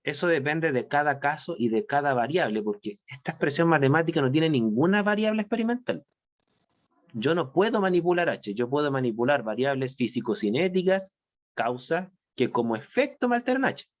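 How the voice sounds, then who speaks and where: A man's voice: on the high side, lively intonation, a little fast. Man lecturing, stopping to check understanding. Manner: explanatory, checks understanding with frequent tag questions. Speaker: university chemistry lecturer. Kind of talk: online class lecture.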